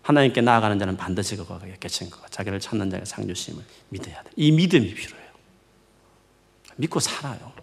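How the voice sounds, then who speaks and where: A man preaching a midweek sermon in a conversational, coaxing way, with many rhetorical questions and sharp swings in emphasis. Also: on the low side, quick pace, creaky. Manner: lively, rising and falling emphatic preaching. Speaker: pastor.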